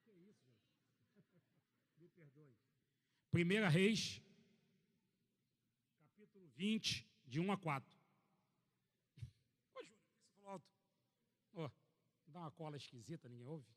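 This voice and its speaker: A Brazilian man preaches with a raised voice that rings through a large church hall with long reverb. He is animated and joking, and he reads scripture aloud between funny stories. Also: fairly high pitch, unhurried, pauses often. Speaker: pastor. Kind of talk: sermon with humorous personal story.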